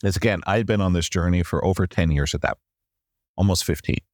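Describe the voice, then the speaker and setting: A middle-aged man with a deep, low voice tells his story as a podcast guest. His delivery is animated and conversational, full of asides. The sound is close and dry, with no room around it. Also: a little fast, dry recording. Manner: animated storyteller, often says "long story short" and "right?".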